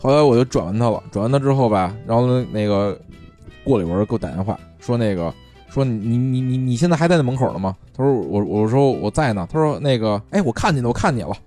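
A man's voice: medium pitch, quick pace, faint music behind. A man, a podcast co-host telling a story in casual chat, cursing freely and restarting his words. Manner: animated storyteller, swears freely, stammers restarts.

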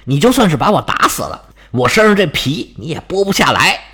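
A man's voice: a little high, sing-song, brisk, bright, forceful tone, slightly rough, full character voice. A man voicing a huge, boastful male lion monster that talks lazily and scolds.

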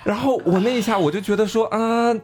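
A man's voice: high voice, a little fast, darkish tone. A man co-hosting a podcast, telling a story in casual chat with lots of laughter. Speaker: podcast co-host.

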